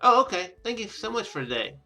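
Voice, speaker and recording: A man reads as an earnest young male tourist in a visual novel, polite and full of gratitude and apology. The voice is bright and fairly high, with music behind it. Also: sing-song, fast, full character voice. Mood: grateful.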